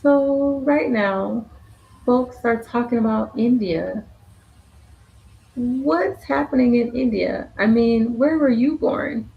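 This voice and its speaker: A woman voicing a signed introduction and interview as interpreter, speaking slowly in measured phrases. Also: a little high, creaky, phone-quality sound. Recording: echoey room with faint ambience.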